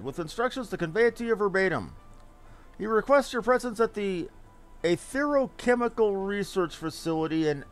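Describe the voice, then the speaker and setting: A man voicing a quaint, brisk messenger with formal, theatrical phrasing, reading game dialogue aloud. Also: high-pitched, a bit bright.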